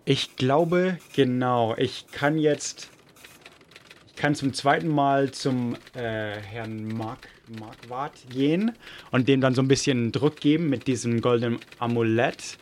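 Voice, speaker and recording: A man playing detective in a mystery game, casually thinking aloud in a tentative, halting way. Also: mid-range voice, a little hiss or hum. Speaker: player acting as detective.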